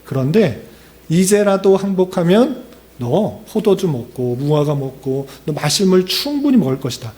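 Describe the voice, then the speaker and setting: A man's voice: high voice, warm tone, voice pushed up. A male preacher voicing a mocking, boastful enemy commander in a scornful, taunting tone.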